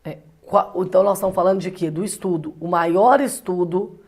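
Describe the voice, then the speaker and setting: Woman from Brazil, lower register, teacher explaining exam items with frequent check-in questions. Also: fairly even intonation, fairly quick, a little mellow, husky. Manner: explanatory, asks rhetorical questions, frequent tag "né". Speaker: Portuguese teacher. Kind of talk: exam-prep lecture.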